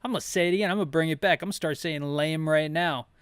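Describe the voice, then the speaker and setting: A man's voice: on the high side, fast, clear, resonant tone, no echo, studio quality. A man giving casual, rambling playthrough commentary, full of slangy, joking asides. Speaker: host of an audio-description game playthrough. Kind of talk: casual playthrough commentary with read-aloud dialogue.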